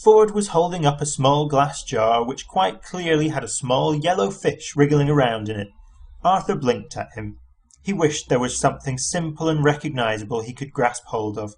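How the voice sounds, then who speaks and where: A man's voice: a little high, animated, normal speed. A man reading a story aloud as an amateur audiobook narrator, in scripted narration.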